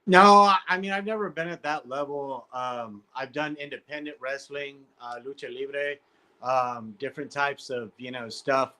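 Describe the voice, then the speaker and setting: A man's voice: mid-range voice, normal speed, pushed and bright, poor audio. A man who works as a ring announcer, answering casually as a guest in a plain, hesitant way.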